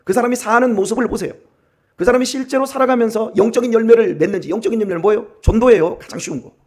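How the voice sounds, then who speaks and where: High-voiced man preaching a dawn sermon. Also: very fast. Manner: emphatic, swings between loud and hushed. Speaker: pastor. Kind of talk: early-morning sermon. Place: church.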